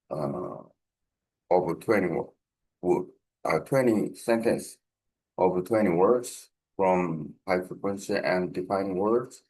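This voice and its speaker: A man with a Korean accent, a native Korean speaker, explains a language practice project informally in halting, non-fluent English, often searching for words. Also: lowish voice, poor audio.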